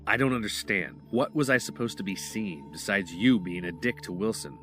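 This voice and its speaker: Wary man, audio drama: terse, blunt, low register, subtle score underneath. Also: lively intonation, moderate pace, fairly bright tone, soft background music. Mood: wary, confused. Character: blunt, wary, confused man demanding answers.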